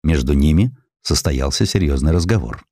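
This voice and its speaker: Low-voiced man narrating expressively. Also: no echo, studio quality. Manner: measured, expressive reading. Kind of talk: scripted audio drama narration.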